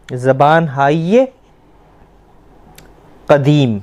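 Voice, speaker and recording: A man's voice: fairly high pitch, a little mellow. Patient male teacher explaining a lesson. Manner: patient, explains step by step, repeats words slowly, quizzes the student. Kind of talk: classroom language lesson.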